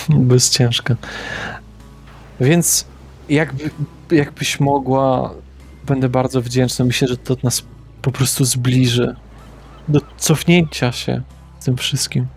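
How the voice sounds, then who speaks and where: A man's voice: mid-range voice, level tone, slow pace, vocal fry, long pauses, faint music behind. A man speaking in character in a tabletop roleplaying game, casual and rambling. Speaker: player.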